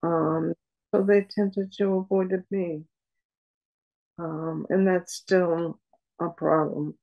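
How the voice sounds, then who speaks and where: An older woman on a video call at home, speaking softly and haltingly with many pauses as she talks about her life as a patient. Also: fairly low pitch, little pitch movement, creaky, muffled recording. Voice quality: soft voice. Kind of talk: personal account in an interview. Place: room at home. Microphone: video call webcam.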